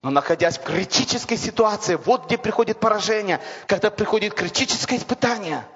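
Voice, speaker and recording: A man preaching a sermon with impassioned, repetitive build-ups that rise to shouts. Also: sits high, expressive, brisk, slightly rough. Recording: dull lo-fi recording in a reverberant hall.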